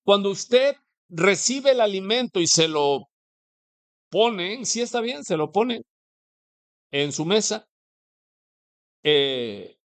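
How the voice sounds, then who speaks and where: Mexican preacher with a fairly high voice. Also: male voice, big pitch swings, slow pace, pauses often. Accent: Mexican Spanish. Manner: conversational, poses rhetorical questions to the congregation. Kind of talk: sermon. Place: church.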